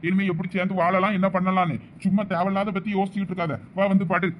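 மிக வேகமாகப் பேசும் உயர்குரல் ஆண். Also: male voice, high voice, level tone, rapid-fire, lo-fi sound, slight background noise. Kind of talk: amateur village comedy drama acting.

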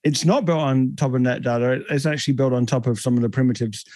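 A man's voice: mid-range voice, fast, a little mellow, no room sound. British man explaining tech, dry sound. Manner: fluent, explanatory, technical. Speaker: guest, tech company CEO. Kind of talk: conversational podcast interview. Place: home office. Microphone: headset.

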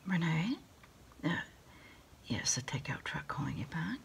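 A middle-aged woman doing a quiet ASMR roleplay as an order taker on the phone, speaking in halting, unhurried whispers. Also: sits low, sing-song, vocal fry, a little hiss or hum. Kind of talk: ASMR roleplay, one side of a phone call. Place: small dim desk space indoors.

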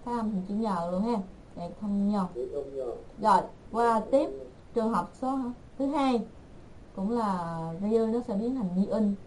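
A woman teaching an online language class, repeating words slowly and patiently for her learners. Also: medium pitch, mellow, slight background noise, rough recording.

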